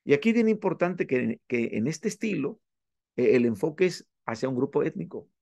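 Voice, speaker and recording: A man teaching a class, working through his points methodically and listing items one at a time with pauses. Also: on the high side, very animated, gravelly, darkish tone, dry recording, clean studio sound. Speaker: instructor. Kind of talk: classroom lecture on church planting.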